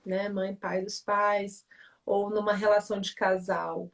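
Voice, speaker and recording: A woman's voice: mid-range voice, flat delivery, takes it slowly, vocal fry. A woman who writes for readers, explaining family relationships in a reflective, teacherly way and often checking in with "né?". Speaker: author and family-relations speaker in a livestream. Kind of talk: explanatory talk in a live conversation. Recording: voice somewhat distant from the mic.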